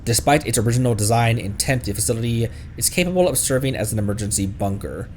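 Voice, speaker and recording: A man streaming a video game, giving commentary and reading in-game text aloud, sometimes halting and repeating words as he goes. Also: mid-range voice, animated, darkish tone, a little hiss or hum. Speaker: streamer, host of a gaming livestream. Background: game music.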